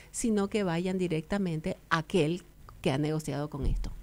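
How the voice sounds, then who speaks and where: A woman speaks with a dark, mellow tone at a fairly low pitch, her intonation lively. The recording is very clean, with a silent background. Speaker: historian, museum director. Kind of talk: interview.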